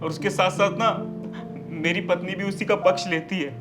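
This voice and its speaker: An actor playing a poor beggar who humbly pleads for work, in a web drama. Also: male voice, sits high, fairly even intonation, moderate pace, music in the background, lightly acted. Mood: pleading.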